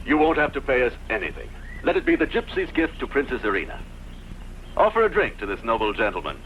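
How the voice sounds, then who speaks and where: A man's voice: medium pitch, very animated, fast talker, fairly bright tone, a little hiss or hum, low-quality recording. A man dubbing a bold, lovestruck young gypsy in a costume film, with a teasing, theatrical manner. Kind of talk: dubbed costume-film acting.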